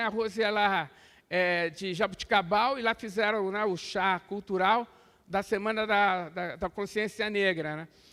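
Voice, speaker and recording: Raised and projected, a man's voice carries a bright, sharp tone. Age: 60s. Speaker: professor. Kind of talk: lecture.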